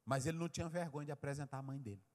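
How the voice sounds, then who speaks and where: A pastor, preaching a sermon and swinging from quiet asides to loud cries. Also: male voice, mid-range voice, very fast. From Brazil. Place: church hall. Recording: long church-hall reverb.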